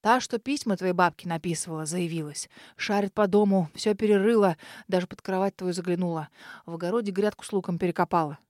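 A woman's voice: lowish voice, quick pace, darkish tone, no room sound, studio quality, voice pushed down, lightly acted. A woman voicing an old male house spirit who grumbles and whispers in folksy speech. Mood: whispering warning.

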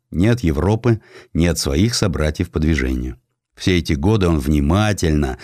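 Deep-voiced, expressive male audiobook narrator. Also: no room sound, clean studio sound. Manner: measured, expressive storytelling. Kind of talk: dramatic scripted narration of historical prose.

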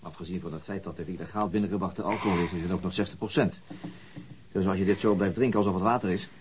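An actor playing a calm police detective in a radio drama, asking measured, probing questions. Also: male voice, low voice, noisy background, close to an everyday voice. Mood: cautioning. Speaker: interrogating detective.

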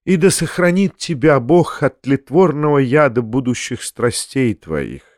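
A man reading an audiobook, voicing a pompous, self-righteous older male hypocrite who shrieks in a high, preachy voice. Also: expressive, a little slow, no echo, studio quality, lightly acted. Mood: pompous blessing. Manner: sanctimonious, preachy, hysterical.

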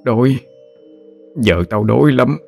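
A man voicing an eerie pale young man with a deep, muffled, echoing voice, mumbling slowly. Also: gravelly, darkish tone, soft background music. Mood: pleading. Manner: slow, mumbling.

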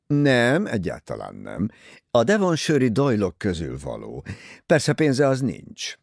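A man voicing a teasing, easygoing young English gentleman talking with his mother in an audiobook. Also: medium pitch, huge pitch swings, gravelly, no echo, studio quality, heavily acted. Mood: wry teasing. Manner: wry, teasing.

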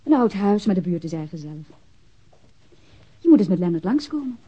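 An actress playing a friendly, frank and quietly determined woman in a radio drama. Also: medium pitch, big pitch swings, a little fast, husky. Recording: dull lo-fi old radio recording.

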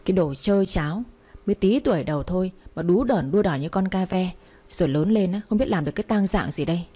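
A woman's voice: lowish voice, animated, quick pace, warm tone, breathy edge. A woman voicing a spiteful stepmother who taunts and mocks her stepdaughter, in a storybook reading. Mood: sneering. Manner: sneering, taunting.

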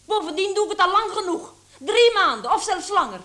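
A girlish radio-drama daughter. Her voice is high and youthful, with an earnest, touchy way of talking. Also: very animated, fairly quick, bright, forceful tone, exaggerated voice. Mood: hurt, protesting. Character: earnest, touchy young daughter of a burdened family.

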